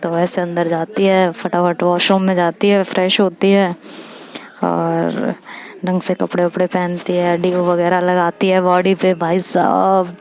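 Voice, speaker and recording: A woman narrating a story in a chatty, conversational way with quick asides. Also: on the low side, flat delivery, a little mellow. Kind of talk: casual spoken storytelling.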